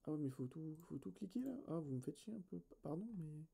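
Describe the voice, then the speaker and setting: A man with a very dark, mellow voice chats through a let's play session. He thinks out loud, trails off and corrects himself, and talks straight to his viewers in a casual tone. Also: a little high, lively intonation, quick pace, gravelly, husky. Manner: thinks aloud, hesitant and self-correcting; chatty, addresses viewers directly. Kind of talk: casual gameplay commentary.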